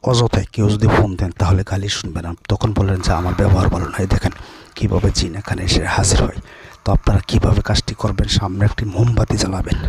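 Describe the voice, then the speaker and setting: A man talking viewers through a ritual in an insistent, boastful way, slipping into slow drawn-out chanting. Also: deep voice, steady tone, heavy background noise. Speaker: self-styled spell practitioner. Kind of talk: instructional talk to viewers.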